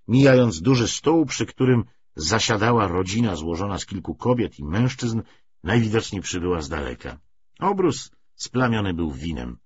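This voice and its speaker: A man reading literary narration for an audiobook in an expressive, measured storytelling way. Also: on the low side, breathy edge. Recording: dull, muffled lo-fi recording.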